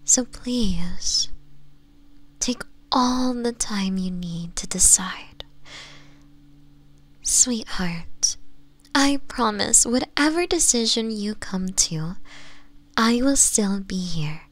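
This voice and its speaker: A woman voicing a doting, possessive fox-woman mistress in an intimate ASMR roleplay, softly coaxing and often slipping into whispers. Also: medium pitch, expressive, extremely slow, long pauses. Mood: gentle, reassuring. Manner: soft, breathy, coaxing, often dropping into whispers.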